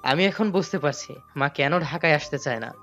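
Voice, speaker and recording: A man's voice: a little high, a little fast, fairly bright tone, lo-fi sound, faint music behind, close to an everyday voice. A man voicing a patient young husband in an audio drama, earnest and pleading. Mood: defensive.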